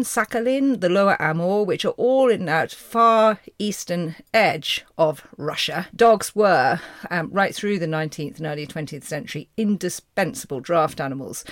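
A woman author giving an animated, explanatory documentary interview, stressing names as she goes. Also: fairly low pitch, no echo, clean studio sound.

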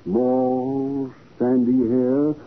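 An actor playing a polite, well-mannered wealthy gentleman in a 1940s radio drama, with courteous, genteel phrasing. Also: medium pitch, little pitch movement, drawn-out words. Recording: muffled phone-like 1940s radio recording.

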